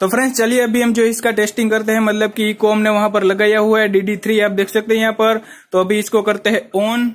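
With hardly any pauses, a man talks at a fairly quick pace in a high pitch, his intonation monotone and flat and his loudness very even. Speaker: audio gear reviewer. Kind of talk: tutorial. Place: workshop. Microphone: phone near.

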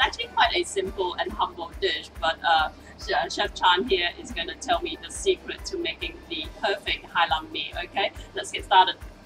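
With music in the background, a woman speaks with big swings in loudness. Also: moderate pace. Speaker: presenter. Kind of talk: presenter intro to camera. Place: kitchen.

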